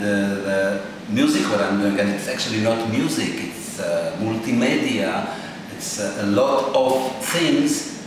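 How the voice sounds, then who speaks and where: A man in his fifties whose first language is Estonian, a composer answering interview questions in English with halting, animated phrasing and many fillers, in a small room. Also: lowish voice. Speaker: composer and performer. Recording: echoey room, distant mic, noisy.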